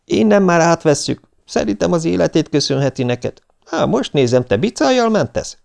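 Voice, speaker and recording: A man's voice: on the high side, expressive, creaky, a little mellow, pitched above the performer's own voice. A man reading the part of a jovial male ambulance doctor who greets his colleague with a joke. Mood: friendly.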